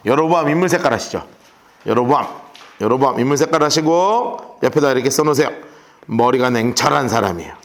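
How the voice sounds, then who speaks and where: A man giving an animated Bible lecture and coaxing the class to take notes. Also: medium pitch, quick pace. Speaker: Bible teacher.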